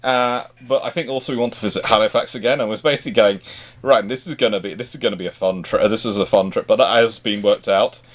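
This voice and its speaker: A man's voice: fairly low pitch, quick pace, slight background noise. A man hosting a casual livestream chat, talking in a rambling, stop-start way that doubles back on words. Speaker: livestream host.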